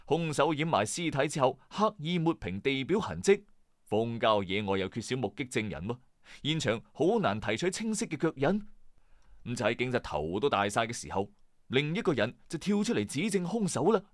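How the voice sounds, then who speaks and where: A man with a Hong Kong Cantonese accent speaks in a mid-range voice with big pitch swings at a moderate pace, recorded dry with clean studio sound. As storyteller and host of a late-night mystery story channel, he tells a scripted true-crime mystery dramatically and suspensefully, adding colloquial asides.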